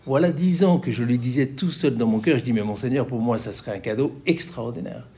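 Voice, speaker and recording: A middle-aged man, director of a Catholic charity, giving an earnest personal testimony in a public talk with many halting restarts. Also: medium pitch, warm tone.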